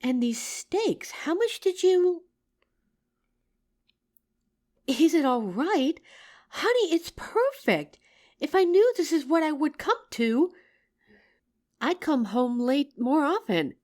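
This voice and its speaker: A woman's voice: high voice, takes it slowly, exaggerated voice. A woman playing a loving, teasing working wife, tired after work, in an affectionate roleplay addressed to the listener. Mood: touched, affectionate. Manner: affectionate, playful, expressive.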